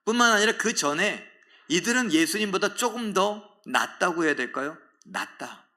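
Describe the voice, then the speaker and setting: A man's voice: high voice, expressive, moderate pace, bright, forceful tone. A male pastor preaching a sermon in a dramatic way, often putting questions to the congregation.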